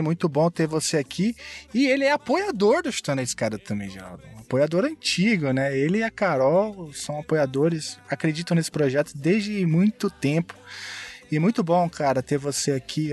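A man's voice: fairly high pitch, expressive, normal speed, a little mellow, faint music behind. Easygoing podcast co-host, a man. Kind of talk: casual podcast chat.

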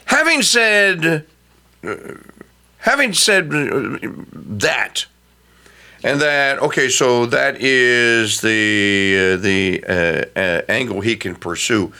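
A man's voice: mid-range voice, animated, slow, bright, forceful tone, clear, resonant tone. A middle-aged man hosting a talk radio show, delivering an emphatic opinion monologue that often stumbles into repeated restarts.

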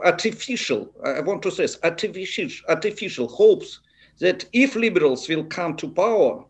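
A man with a Russian accent, speaking non-native English in a halting way as he gives unscripted political analysis in an interview. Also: on the high side.

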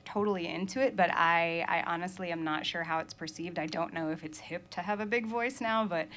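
A woman's voice: lowish voice, fairly quick, fairly bright tone, a little hiss or hum. A young adult woman from Maine, a musician chatting casually in an interview, laughing often and filling her talk with "like" and "um". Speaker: musician guest.

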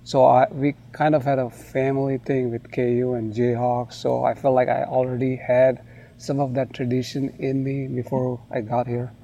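A man in his forties from India, a winery owner telling his story in a friendly, unhurried podcast interview. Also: mid-range voice, flat delivery, vocal fry, warm tone, highs cut off, a little hiss or hum.

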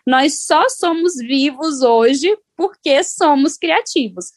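A woman's voice: sits high, expressive, slow pace, over loud music. A woman from Brazil with a Brazilian accent, chatting casually as an interview guest and often seeking agreement. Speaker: podcast guest.

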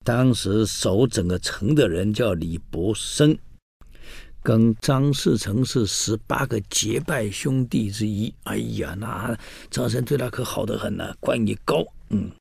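A man telling history in a casual storytelling style, animated, acting out the quoted dialogue, with many fillers. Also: lowish voice, a little slow, gravelly, breathy edge, no room sound.

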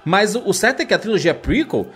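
A man's voice: high-pitched, very animated, fast talker, fairly bright tone, slightly rough. A man with a Brazilian Portuguese accent talking casually about films in a rambling, slangy way, full of tag questions. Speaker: podcast panelist. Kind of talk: casual opinionated discussion of films.

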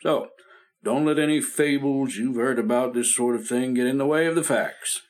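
A man playing a patient, reassuring doctor in an old radio drama, speaking steadily and gently firm. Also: mid-range voice, normal speed, natural voice. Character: calm reassuring male family doctor. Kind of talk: 1950s radio drama acting.

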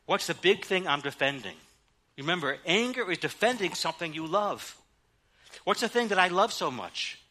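Man, rabbi, sermon, somewhat high voice, very animated intonation, middle-aged. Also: moderate pace. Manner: teaching with vivid everyday examples and quoted scripture.

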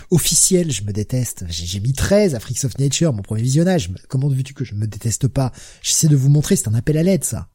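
A man's voice: medium pitch, sing-song, a little fast, few pauses, dark tone, breathy edge, no echo, studio quality. A man co-hosting a podcast, joking and rambling with many fillers. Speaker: podcast co-host. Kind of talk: casual chat.

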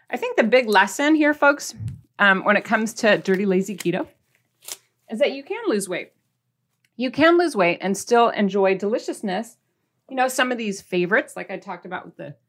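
A woman's voice: mid-range voice, fairly bright tone. A woman hosting a podcast, chatting casually about cooking in an upbeat, encouraging way with a few fillers. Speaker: podcast host.

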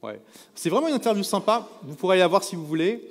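A man's voice: high voice, fast talker. Frenchman telling stories in an echoey hall. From France. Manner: lively anecdotes, acting out the people he quotes. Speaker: speaker at a live event. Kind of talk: storytelling talk to a live audience. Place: stage in a large event hall.

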